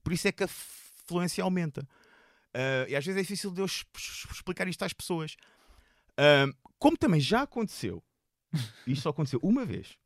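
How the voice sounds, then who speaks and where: A man's voice: fairly high pitch, very animated, moderate pace, no echo, studio quality. A man with a European Portuguese accent who stutters. He repeats and blocks on words while animatedly telling stories about his stand-up shows in an interview. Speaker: stand-up comedian guest. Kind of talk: casual storytelling in an interview.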